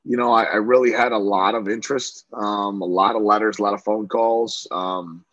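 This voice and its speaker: A man's voice: fairly low pitch, fairly even intonation, moderate pace, a bit bright, no echo, dull audio. A middle-aged man from Central New York, a lacrosse coach, talking casually in an interview with lots of fillers and restarts. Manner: talkative, many fillers and restarts.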